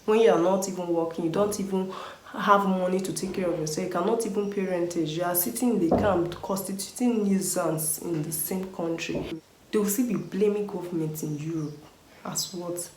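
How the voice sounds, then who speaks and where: A woman's voice: lowish voice, normal speed, a little hiss or hum. Scolding Nigerian woman in echoey room. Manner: exasperated scolding, rhetorical questions, lively pidgin phrases. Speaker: vlogger. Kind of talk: casual vlog rant.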